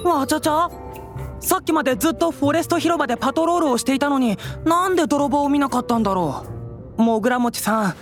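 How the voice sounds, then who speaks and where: Actress: eager young constable, high and bouncy. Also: female voice. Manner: bouncy, exclamatory. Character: cheerful young police constable.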